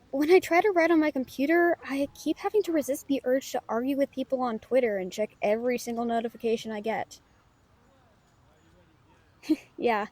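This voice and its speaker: A woman's voice: sits high, darkish tone, dry recording. A woman playing a playful, self-doubting young novelist, chatty and teasing, in an intimate audio roleplay addressed to a friend.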